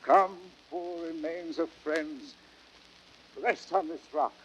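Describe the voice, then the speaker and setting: An actor playing a noble, grieving Roman commander, solemn and declamatory, in an old radio Shakespeare drama with hiss. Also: male voice, on the high side, slow pace, lo-fi sound. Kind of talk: 1930s radio Shakespeare acting. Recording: hissy old radio broadcast recording.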